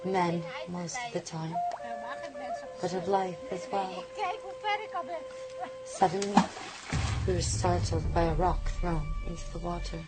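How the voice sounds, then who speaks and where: A woman's voice: fairly low pitch, flat delivery, slow, pauses often. A woman narrating as a young Native woman. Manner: gentle, wondering storytelling. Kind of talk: narration in a hobby radio drama. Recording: loud music under the voice.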